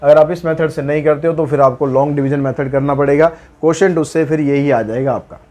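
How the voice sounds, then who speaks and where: A man's voice: on the high side, fairly even intonation, fairly quick, warm tone. A male math teacher giving a casual blackboard lesson, teasing his students and stepping through the working one step at a time.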